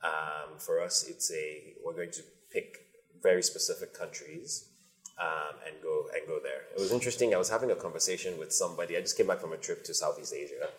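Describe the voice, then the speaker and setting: A man from Nigeria, a company founder, answering interview questions in a measured, thoughtful way with frequent pauses. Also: extremely low pitch. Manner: measured, thoughtful, many ums.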